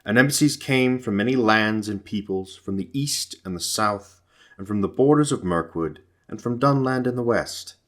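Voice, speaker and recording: Guy reading epic fantasy audiobook, kinda low voice, formal n measured. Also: a bit bright. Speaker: audiobook narrator. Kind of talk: scripted narration of epic fantasy.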